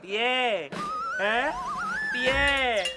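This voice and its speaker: A man's voice: very high-pitched, very slow, over loud music, heavily acted. An actor playing a broke, flirty driver who sweet-talks the woman he owes money to, in a TV sitcom. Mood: flirting. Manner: smooth-talking, flirtatious. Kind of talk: sitcom acting.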